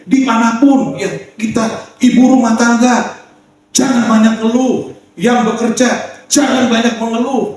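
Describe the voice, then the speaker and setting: Male preacher, chatty storyteller with jokes, heard from afar in a boomy hall. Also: a little hiss or hum. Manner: chatty, joking, lively storytelling with asides to the congregation. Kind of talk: sermon with personal stories. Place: church sanctuary. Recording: very echoey church hall, voice from far off.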